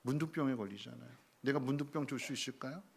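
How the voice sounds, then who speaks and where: A male pastor preaching a sermon in a church. He swings between soft, low passages and loud, emphatic bursts, and acts out the prayers he quotes. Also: quick pace, creaky, slightly rough. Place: church sanctuary.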